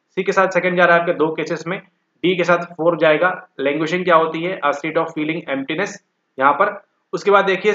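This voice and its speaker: A teacher works through exam questions aloud, speaking straight to his students and repeating key words. His voice sits a little high and sounds bright and forceful. The sound is roomy and dull, like a lo-fi recording in an echoey room. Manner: addresses students directly, repeats words for emphasis. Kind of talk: exam question walkthrough lecture.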